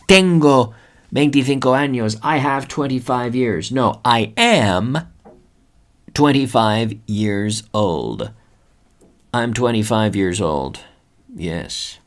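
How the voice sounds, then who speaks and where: A man hosting a podcast English lesson, patiently going through examples and checking in often, switching between English and Spanish to explain. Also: medium pitch. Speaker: podcast host and English teacher.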